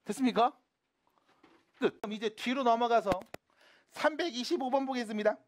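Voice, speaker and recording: A math teacher lectures his class in a mid-range voice against a noisy background, shifting between casual and polite speech. He keeps checking in with quick, casual questions to see whether the students are following.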